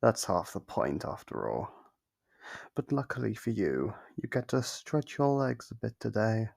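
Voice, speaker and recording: A man playing a sadistic, playfully menacing monster captor in an ASMR horror roleplay, with a gravelly, husky voice and a slow, teasing delivery. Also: lowish voice, very animated, darkish tone, full character voice. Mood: mocking, gloating.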